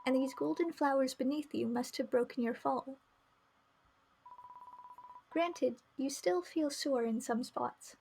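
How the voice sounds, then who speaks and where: A woman's voice: high voice, slow pace, creaky, long pauses, darkish tone, a little hiss or hum. A woman game streamer reading narration aloud and chatting casually as she plays. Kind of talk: live read-aloud narration with casual commentary. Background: faint music.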